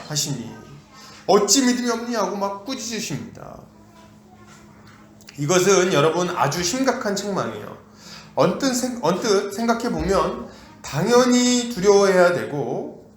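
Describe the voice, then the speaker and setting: A male pastor preaching a sermon, acting out the disciples' and Jesus' voices in an animated way. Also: high-pitched, reverberant, a little hiss or hum. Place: church sanctuary.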